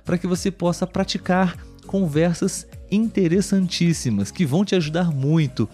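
A young Brazilian man who hosts a language-learning podcast, speaking clearly and warmly as he talks directly to learners. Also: high-pitched, normal speed, soft background music. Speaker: podcast host and Portuguese tutor.

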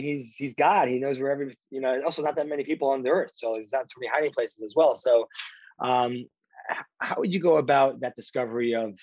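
A man hosting a podcast, speaking casually with many fillers and warm affirmations. His voice sits at an average pitch, and the recording is dry and somewhat muffled. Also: no echo. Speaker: podcast host. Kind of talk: podcast interview conversation.

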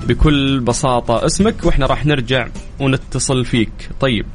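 A man hosting a radio call-in show, fast and upbeat, laughing often. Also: medium pitch, soft background music. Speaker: radio host.

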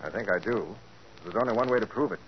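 Actor playing a sharp calm private eye, lively intonation, muffled old broadcast. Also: male voice, lowish voice, fast, close to an everyday voice. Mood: assured. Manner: calm, assured questioning. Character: calm, clever male private detective. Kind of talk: 1940s radio acting. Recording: dull hissy 1940s radio recording.

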